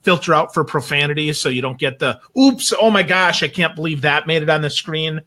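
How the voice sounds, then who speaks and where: Male talk show guest, forceful bright tone, slightly high voice, blunt and animated in casual conversation. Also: fairly quick. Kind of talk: casual opinionated chat.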